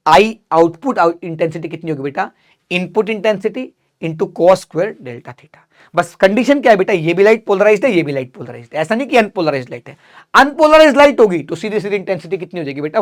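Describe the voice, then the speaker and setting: A man's voice: sits high, sing-song, a little fast. Hindi-speaking male physics teacher. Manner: asks students questions then answers them; calls students "beta", casual and direct. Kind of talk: exam revision lecture.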